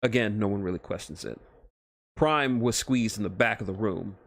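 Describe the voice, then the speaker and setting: A man's voice: fairly low pitch, normal speed, vocal fry. A man streaming a read-aloud of fan fiction as narrator, stumbling over words and correcting himself now and then.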